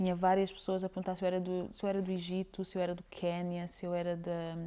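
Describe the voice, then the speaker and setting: In a very clean recording with a silent background, a woman speaks at medium pitch in a dark, mellow tone with monotone, flat intonation. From Portugal, of São Tomé heritage. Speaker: poet and conversation host. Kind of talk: public conversation.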